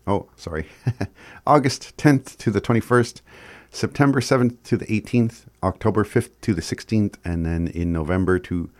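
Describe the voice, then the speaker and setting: A man's voice: lowish voice, dry recording. A man with an Indigenous Canadian reservation accent reading community announcements in an informal way, with the odd stumble.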